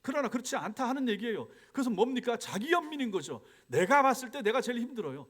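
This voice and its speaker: Pastor, male, high-pitched and animated, fast sermon delivery, voices plaintive prayers. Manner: animated preaching, acts out complaining prayers. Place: church sanctuary.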